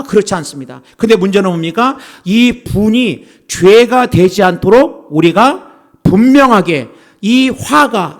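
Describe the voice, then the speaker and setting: A man as pastor giving a Sunday sermon, preaching earnestly and often turning to speak straight to his congregation. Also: sits high. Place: church service.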